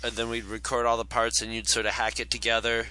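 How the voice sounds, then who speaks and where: A middle-aged man co-hosting a podcast, reminiscing in a relaxed conversational way. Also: medium pitch, fast, smooth, poor audio. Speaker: podcast co-host. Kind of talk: casual chat.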